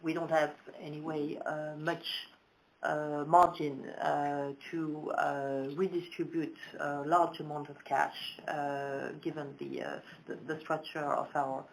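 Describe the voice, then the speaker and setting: Low-voiced woman, halting executive delivery. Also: level tone, a little hiss or hum, rough recording. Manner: halting, hesitant phrasing with very frequent pauses. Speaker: company executive. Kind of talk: answering questions on a financial conference call.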